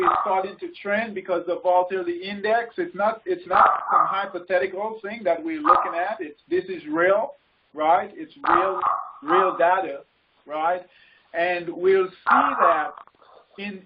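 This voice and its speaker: A male trading coach leads a group conference call with informal instruction, his high voice halting and repetitive as he checks in often with "okay" and "right." The conference call line gives muffled, dull, noisy audio with clicks and faint noise.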